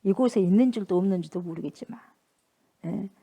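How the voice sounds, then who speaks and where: A woman's voice: medium pitch, fairly quick, warm tone, husky. A woman pastor preaching a sermon in an emphatic, repetitive, conversational way.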